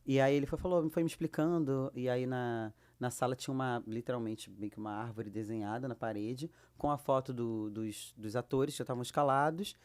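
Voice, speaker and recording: A Brazilian woman with a Brazilian Portuguese accent, a guest actress telling lively anecdotes and acting out the dialogue she quotes. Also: very deep voice, fairly quick, hardly any pauses. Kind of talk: casual storytelling.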